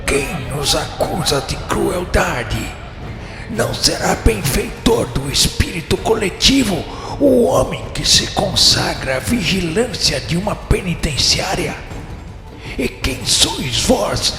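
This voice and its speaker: A tyrannical spirit judge from a netherworld radio play. His high voice swoops widely through slow, pompous declamation, wrathful and commanding, inside a long echoing hall. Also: big pitch swings, vocal fry, exaggerated voice. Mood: haughty, condemning. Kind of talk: radio drama acting. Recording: echoey long hall reverb, music underneath.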